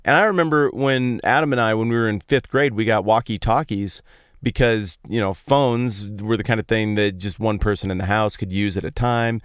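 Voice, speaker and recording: A man's voice: on the low side, normal speed, clear, resonant tone, no echo, studio quality. An American man hosting a podcast, telling stories in a casual, colloquial way with playful emphasis, recorded inside a parked truck. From Colorado, United States. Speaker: podcast host. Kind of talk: casual conversational Bible talk, storytelling monologue.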